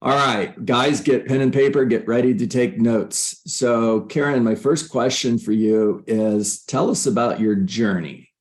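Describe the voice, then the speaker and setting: A man's voice: mid-range voice, unhurried, few pauses. A man hosting an interview show, introducing and questioning a guest in a conversational style. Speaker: interview show host, coach.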